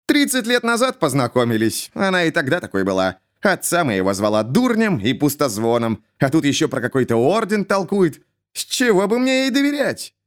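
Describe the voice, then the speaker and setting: A crazed storybook jester, acted by a man, cocky and unpredictable. He hisses and jumps into sudden high shouts, his pitch swinging widely. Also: wildly swooping pitch, normal speed. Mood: mocking. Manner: jumpy, hissing, bursts into shouts. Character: mad male jester, erratic, hissing, shouting.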